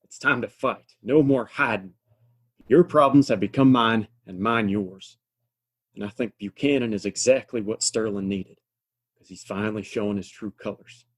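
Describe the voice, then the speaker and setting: An actor playing a weary, resolute saloon keeper in a Western audio drama, plainspoken, gruff and emphatic. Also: male voice, on the low side, moderate pace, lightly acted. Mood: defiant, resolved.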